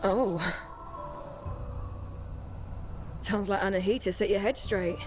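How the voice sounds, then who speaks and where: A woman's voice: mid-range voice, moderate pace, lightly acted. A woman playing a friendly, teasing warrior comrade in a video game. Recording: music behind the voice.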